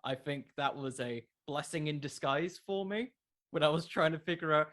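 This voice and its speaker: A man's voice: fairly high pitch, normal speed, fairly bright tone. A man answering questions in a casual interview, thinking aloud and repeating words as he goes. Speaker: podcast creator, interview guest. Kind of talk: casual interview chat about wrestling fiction.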